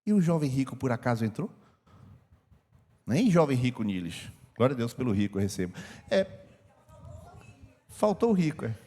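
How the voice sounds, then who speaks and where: A man's voice: mid-range voice, big pitch swings, normal speed, pauses often, warm tone. An older man with a Brazilian Portuguese accent preaching a sermon in a church hall, talking conversationally and repeating phrases for emphasis. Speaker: pastor. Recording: long church-hall reverb.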